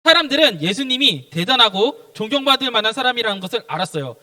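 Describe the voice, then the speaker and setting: A young man preaches to children, firing question after question at them. His voice sits very high and bright, and it leaps around as he speaks. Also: fast. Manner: animated, quizzes the children with questions. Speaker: junior pastor at a children's service. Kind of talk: children's sermon.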